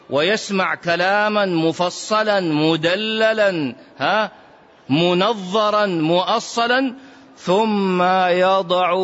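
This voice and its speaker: A man's voice: high voice, a bit bright. Emphatic man teaching a mosque lesson. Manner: emphatic, chanting some phrases, rhetorical questions. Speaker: religious teacher. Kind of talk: mosque lesson explaining hadith. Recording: muffled lo-fi recording.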